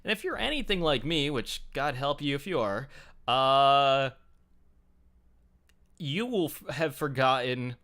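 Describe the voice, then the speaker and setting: Hosting a casual group chat for a fan livestream, a man talks via headset from his home computer on an online call, rambling, joking, and poking fun at himself. His medium-pitched, slightly bright voice has lively intonation and a measured pace with long pauses.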